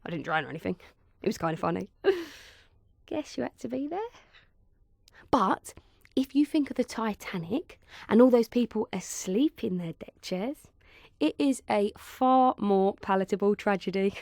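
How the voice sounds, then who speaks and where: A woman's voice: mid-range voice, animated, moderate pace, creaky, long pauses, darkish tone, dry recording, clean studio sound. A woman performing a monologue as a quirky, awkward young woman musing morbidly in a hesitant, self-deprecating way. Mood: wistful, awkward. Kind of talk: dramatic monologue.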